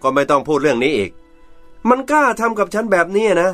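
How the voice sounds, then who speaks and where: A man's voice: sits high, big pitch swings, fast, fairly bright tone, faint music behind. An actor playing a bossy, self-righteous rich businessman and father who scolds his staff and family. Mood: cold. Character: domineering rich middle-aged businessman father.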